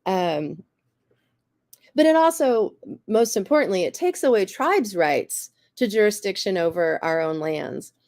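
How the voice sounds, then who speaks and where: A woman with a slightly raspy voice and a cough, earnestly explaining things as a guest speaker, often saying "you know" and "um". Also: medium pitch, big pitch swings, unhurried, darkish tone, dry recording, clean studio sound. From Cherokee Nation. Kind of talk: explanatory talk.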